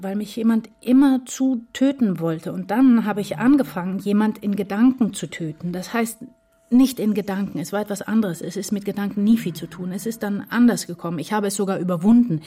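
An actress playing an anxious woman writer in love, speaking her intense inner thoughts and confessions in a measured literary radio drama. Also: mid-range voice, dark tone, no room sound, close to an everyday voice. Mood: pleading, confessing. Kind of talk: literary radio drama, first-person inner monologue and dialogue.

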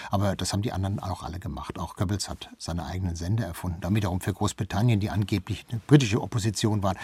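Slightly husky man explaining as expert guest. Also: low-pitched, darkish tone, no room sound. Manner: anecdotal, explanatory, emphatic word repetition. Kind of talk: explanatory interview talk on history.

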